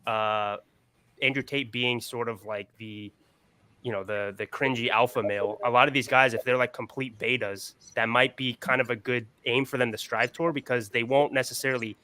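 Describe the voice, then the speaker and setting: Man, bright tone, casual panel chat, long explanations, keeps asking "right?". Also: mid-range voice, fairly even intonation, normal speed. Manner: explains at length, checks in with "right?". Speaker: podcast panelist.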